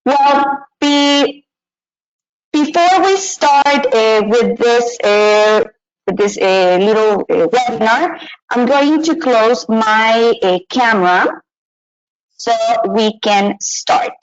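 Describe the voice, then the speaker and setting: Slow-talking young woman on a lo-fi webinar. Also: on the high side. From Mexico. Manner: hesitant, many fillers and restarts. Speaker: webinar presenter. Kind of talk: live online teaching webinar. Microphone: webcam and computer mic. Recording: dull lo-fi webinar audio.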